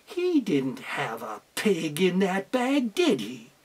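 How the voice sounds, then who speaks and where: Woman doing a calm, shrewd farm teacher in a storybook: low, deliberate delivery. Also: slightly rough, exaggerated voice. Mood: scheming. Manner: slow, knowing, deliberate.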